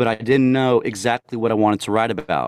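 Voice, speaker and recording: In a very clean recording with a silent background and a dry, close sound with no echo, a man with an American accent speaks at a medium pitch with fairly even intonation in an ordinary speaking voice. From Houston, Texas. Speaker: singer-songwriter. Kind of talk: interview.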